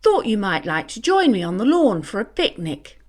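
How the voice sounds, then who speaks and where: A woman's voice: medium pitch, very animated, moderate pace. A woman voicing a sneaky little male bloodhound in a children's story, breezy, friendly and matter-of-fact. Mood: breezy, inviting.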